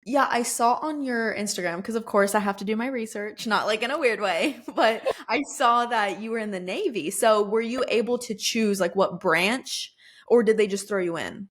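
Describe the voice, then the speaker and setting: A woman's voice: medium pitch, moderate pace. A woman hosting a podcast in a bubbly, chatty way, laughing often and using many likes and ums. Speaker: podcast host. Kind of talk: casual interview chat.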